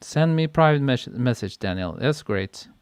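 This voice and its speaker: A photographer hosting a live stream, chatting casually and reading out viewer comments, relaxed and quick to laugh, speaking into a podcast mic. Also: male voice, mid-range voice, clear, resonant tone, no room sound. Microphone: podcast mic on a boom arm.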